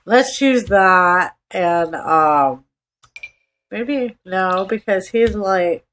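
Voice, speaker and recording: A gaming video host talks over a screen recording of her game in a mid-range, fairly bright voice that sounds stuffed-up and congested. She draws out her words and keeps the commentary casual and playful, chatting to herself and repeating phrases.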